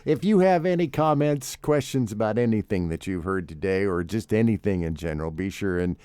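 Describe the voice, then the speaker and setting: A man's voice: on the low side, lively intonation, fairly quick, dark tone, smooth, no room sound. A man co-hosting a podcast, easygoing as he plugs links and wraps up the episode. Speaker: podcast co-host. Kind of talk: casual chat.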